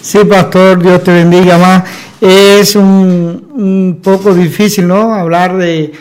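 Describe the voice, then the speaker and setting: A male pastor with a Cuban accent giving testimony as a guest, halting and pausing mid-sentence. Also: high-pitched, little pitch movement, a little mellow, rough recording. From Cuba. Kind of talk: testimony in an interview.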